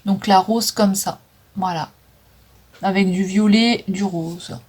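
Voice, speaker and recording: Speaking slowly in a steady, medium-pitched voice with a darkish tone, a woman chats casually through her makeup declutter as a vlogger selling makeup. She uses frequent fillers and stumbles over English names. Her phone picks up slight background noise.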